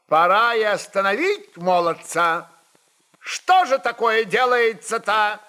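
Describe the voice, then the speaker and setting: A man's voice: sits high, expressive, slow pace, pushed and bright, voice pushed up, heavily acted. A man voicing an angry, fed-up Russian tsar in an indignant, commanding manner, as in a dramatic audiobook. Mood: angry, exasperated.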